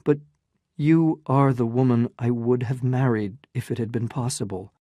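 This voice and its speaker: A man's voice: mid-range voice, steady tone, moderate pace, dark tone, dry recording, studio quality, natural voice. A reader doing an urgent, torn young man. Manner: urgent, insistent. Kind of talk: dramatized story reading.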